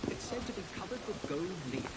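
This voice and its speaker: An actor playing a curious Victorian gentleman who investigates ghost stories, recorded as game audio over loud music. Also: high-pitched, a little fast, very noisy. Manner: lively, inquisitive, storytelling.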